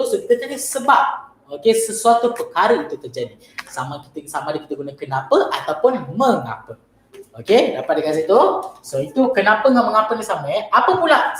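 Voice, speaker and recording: A woman with a Malaysian accent teaches an online grammar lesson, acting out her own example questions in a lively, animated voice. The room is echoey, with a faint background hum. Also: medium pitch. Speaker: Malay language tutor.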